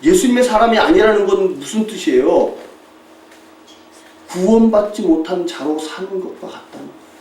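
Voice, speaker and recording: A male pastor preaches with a high, swooping voice, acting out the people in his stories and laughing as he goes. He sounds distant from the mic, with the echo of a large church hall around him. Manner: animated storytelling, mimics shouting tourists, laughs often. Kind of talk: sermon with mission report. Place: church sanctuary.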